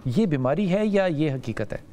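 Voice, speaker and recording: A man's voice: a little high, expressive, normal speed, warm tone. Man, Pakistani Urdu accent, live call-in host, talk show, short agreeing interjections.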